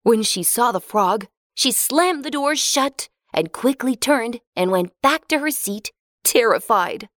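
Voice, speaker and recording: A woman narrating a fairy tale for children in a clear, expressive reading. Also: fairly high pitch, unhurried, no room sound, studio quality.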